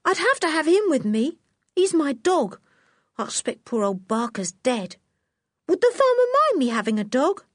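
A woman doing an excitable slangy circus boy. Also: sits high, normal speed, dry recording, studio quality, voice pushed up. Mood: thrilled. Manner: rustic slangy speech, eager exclamations. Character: excitable working-class teenage circus boy.

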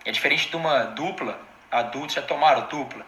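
A Brazilian man, an anesthesiologist, gives a casual live-stream lecture in an informal, animated way, full of slang and quick asides to his audience. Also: mid-range voice, reverberant, poor audio.

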